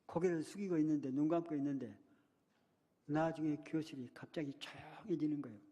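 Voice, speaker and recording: Older preacher in an echoing church. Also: male voice, a little high, fairly quick, dark tone. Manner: dramatic retelling, voicing childhood cries and a teacher's words. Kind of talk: sermon storytelling. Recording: long reverb of a church hall.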